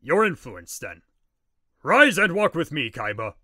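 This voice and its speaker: A man's voice: fairly high pitch, sing-song, measured pace, pushed and bright, no echo, studio quality, full character voice. A man playing a stern, impatient ghost in a fan audio drama, with formal, commanding speech. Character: stern, impatient male ghost of Christmas past. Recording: music behind the voice.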